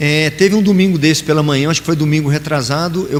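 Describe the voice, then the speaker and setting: There is noticeable background noise. A man speaks in a fairly high pitch. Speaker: pastor. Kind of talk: Bible study teaching. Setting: church, livestreamed.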